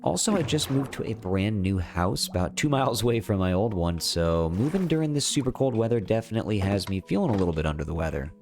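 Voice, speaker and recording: A man's voice: fairly low pitch, lively intonation, quick pace, few pauses, a little mellow, a little hiss or hum. A man with a slight cold giving casual, chatty gameplay commentary as host of a gaming series, thinking aloud as he goes. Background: music.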